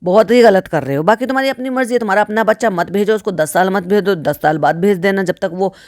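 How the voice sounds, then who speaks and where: A woman with a mid-pitched voice gives reaction commentary in a scolding, sarcastic tone. The recording is dry and close, with no room sound behind her. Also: fast talker, a little mellow, no echo.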